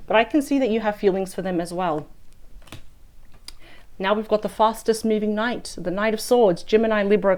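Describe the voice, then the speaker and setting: A woman with a husky, slightly weak voice as she gets over a sore throat, reading tarot cards. She talks in a chatty way, thinking aloud and often checking in with "right?". Her pitch sits in an ordinary middle range. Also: a little mellow. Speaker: tarot reader. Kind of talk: weekly tarot card reading.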